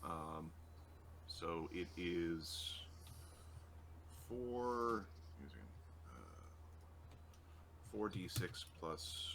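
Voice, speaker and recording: Low, bright-voiced man running a tabletop game. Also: slight background noise. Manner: casual, halting while working out numbers aloud. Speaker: game master. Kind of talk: running a tabletop roleplaying game, calling rolls.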